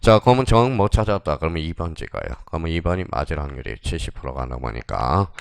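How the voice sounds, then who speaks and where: Deep gravelly guy teaching a test prep class, lively up and down delivery, dry close sound. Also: no room sound. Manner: drills students with quick questions and answers. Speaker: exam prep lecturer. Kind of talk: classroom lecture.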